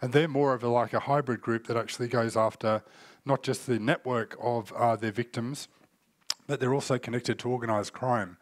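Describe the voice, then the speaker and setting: A man's voice: medium pitch, steady tone, moderate pace, dry recording. A man in his forties, getting over a cold and coughing now and then, giving a conference keynote from a stage in a loose, explanatory way. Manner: loose spoken presentation with fillers, explanatory. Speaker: keynote speaker on cyber threat intelligence.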